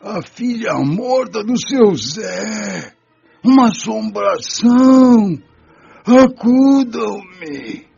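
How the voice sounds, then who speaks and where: A high, very husky wandering spirit in an audio drama. The delivery is theatrical and pleading, with wide swings of pitch, over faint music in a dull recording. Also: female voice, lively intonation, extremely slow, mellow, full character voice. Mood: terrified. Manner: plaintive, theatrical. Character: distressed, confused wandering spirit, easily terrified, pleading for help. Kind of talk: audiobook radio drama acting.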